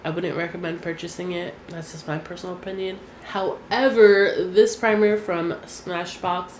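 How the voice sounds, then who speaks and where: A young woman with a fairly low, nasal voice from a recent cold chats easily about her things, her talk full of "like". She is recorded in an echoey room with a faint hum behind her. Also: steady tone, normal speed, darkish tone. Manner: chatty, frequent "like" fillers. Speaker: beauty vlogger. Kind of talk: casual chat.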